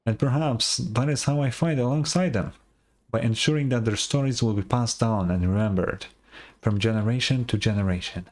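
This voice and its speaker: An actor playing an earnest tribal storyteller in a video game, telling heroic legends in a measured, reverent, solemn way. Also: male voice, mid-range voice, darkish tone, lightly acted. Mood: earnest, wistful. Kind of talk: dramatic storytelling, scripted game dialogue.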